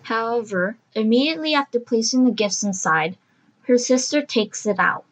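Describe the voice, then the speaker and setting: A woman's voice: fairly high pitch, moderate pace, poor audio. A woman reading scripted narration for an audio drama.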